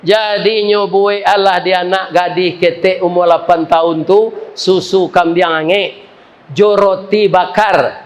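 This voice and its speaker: High-voiced Minangkabau preacher. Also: male voice, a little hiss or hum. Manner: joking, chuckling asides to the congregation. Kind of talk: humorous sermon storytelling.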